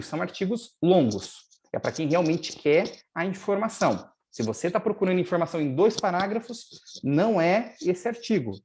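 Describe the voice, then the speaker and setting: A lawyer speaking as a guest on a live webinar over a video call, explaining procedures step by step and at length. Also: male voice, medium pitch. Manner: didactic, long-winded, stressing key points.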